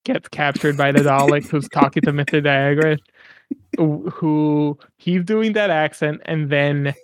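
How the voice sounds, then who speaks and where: A man with a fairly high voice talks loosely and at length in casual podcast chat. He cuts in and out of asides and swears freely. The sound is dry and close, with almost no room around him. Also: unhurried, no room sound. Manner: rambling, animated, swears casually. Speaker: podcast co-host.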